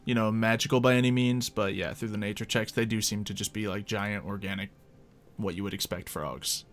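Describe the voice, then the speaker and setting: A man's voice: fairly low pitch, fairly even intonation, a little fast, fairly bright tone. A man speaking casually as game master of a tabletop roleplaying game, narrating and chatting with players. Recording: music behind the voice. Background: music.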